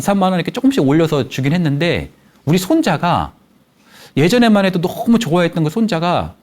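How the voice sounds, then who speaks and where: A man who counsels people from children to the elderly, giving a lecture and telling anecdotes that he acts out in the voices of the people he quotes. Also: fairly high pitch. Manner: animated storytelling, acting out quoted voices. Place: lecture studio.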